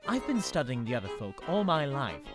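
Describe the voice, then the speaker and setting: A woman's voice: rumbling low, sing-song, brisk. A woman playing a haughty, solemn scholar of the supernatural in an audio drama, speaking formally and with self-assurance. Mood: haughty, disputing. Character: haughty, mystical scholar of ancient supernatural beings. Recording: music behind the voice.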